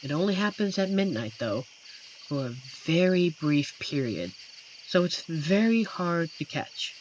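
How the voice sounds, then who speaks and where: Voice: mid-range voice, sing-song, a little hiss or hum, poor audio. A performer voicing an amiable, lonely werewolf who protects a forest, speaking tenderly and earnestly in a scripted roleplay addressed to the listener. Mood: hushed storytelling. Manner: tender, earnest, playfully corny, hesitant pauses. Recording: clear insect and night ambience behind. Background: crickets and forest night ambience.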